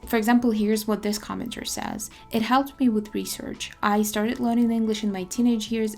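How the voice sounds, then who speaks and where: A young woman from Russia, a native Russian speaker, talking in a measured, articulate way as she presents a semi-scripted language-learning video. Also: mid-range voice, darkish tone.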